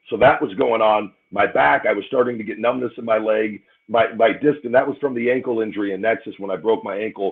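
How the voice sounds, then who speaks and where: A man with an ordinary speaking voice talks at a fairly quick pace, medium in pitch with ordinary pitch variation and hardly any pauses. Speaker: former pro wrestler. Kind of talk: shoot interview, recounting his WWE release. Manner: intense, agitated, blunt.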